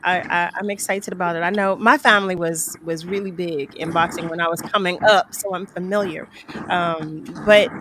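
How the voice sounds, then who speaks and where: Friendly talk show hostess. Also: female voice, on the low side, steady tone, normal speed, fairly bright tone, a little hiss or hum. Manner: friendly, laughing, asks questions. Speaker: host. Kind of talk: casual talk show interview.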